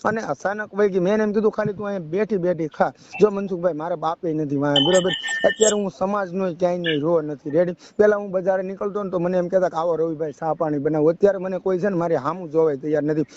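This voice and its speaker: A man's voice: high-pitched, a little mellow, slight background noise. A young man with a rural Saurashtra Gujarati accent giving a rambling personal account on a phone call, often checking that the listener follows. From Gujarat, India. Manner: rambling, often adds a checking tag question. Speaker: caller seeking advice. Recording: dull lo-fi phone call recording.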